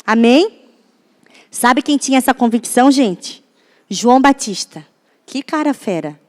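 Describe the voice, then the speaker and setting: A woman's voice: on the high side, animated, a little slow. A woman pastor from Brazil preaching a sermon in a church, often turning to the audience with questions in a chatty way. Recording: echoey church hall.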